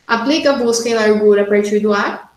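A woman's voice: mid-range voice, a little fast, reverberant, poor audio. A woman university lecturer teaching an online class, working through exercises step by step and checking in with students often. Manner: explains step by step, frequent "né?" and "tá?" checks.

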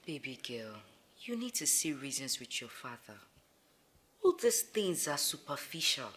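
Earnest Nigerian mother, lively intonation. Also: very deep voice, measured pace, slight background noise, exaggerated voice. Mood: earnest, pleading. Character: patient, earnest mother advising her teenage daughter. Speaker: actor. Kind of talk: naturalistic film acting. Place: large living room.

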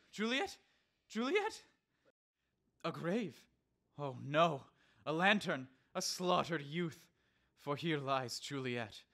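A man playing an earnest high-school Romeo, declaiming grandly in theatrical Shakespearean style for an audio drama. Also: fairly bright tone.

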